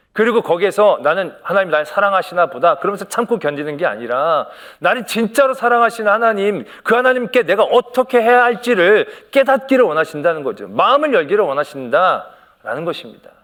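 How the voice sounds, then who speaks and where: Pastor guy preaching, kinda high voice, tells stories and acts out the lines, gets worked up and jokey. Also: a bit bright. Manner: storytelling preacher, acts out quoted lines with rising emphasis and humor. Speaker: senior pastor. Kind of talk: sermon. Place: church sanctuary.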